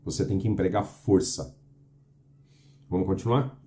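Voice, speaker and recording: A man's voice: deep voice, measured pace, warm tone. A Brazilian man preaching earnestly to camera, asking the listener questions and reading scripture with emphasis. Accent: Brazilian Portuguese.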